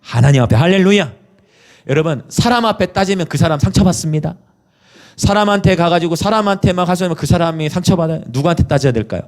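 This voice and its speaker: A middle-aged man preaching a sermon as pastor, passionate, dropping to hushed whispers and acting out pleading prayers. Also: lively intonation, quick pace. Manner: impassioned, swings from hushed whispers to high cries.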